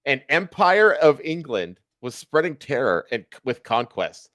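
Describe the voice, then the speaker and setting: A man's voice: mid-range voice, sing-song, measured pace, a bit bright, no echo, studio quality. A man doing a comic reading of fan fiction on a stream, with casual asides.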